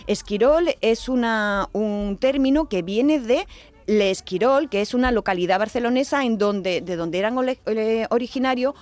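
Woman, Andalusian accent, radio contributor, casual chat, lively, laughs often. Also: fairly high pitch, moderate pace. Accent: Andalusian Spanish.

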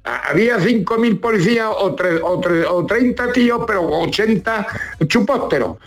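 Male, high-pitched. Colloquial comic grumbler, rambling and repetitive. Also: animated, moderate pace. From La Mancha, Spain. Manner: rambling, colloquial, repeats rhetorical questions. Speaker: regular radio contributor nicknamed as a judge.

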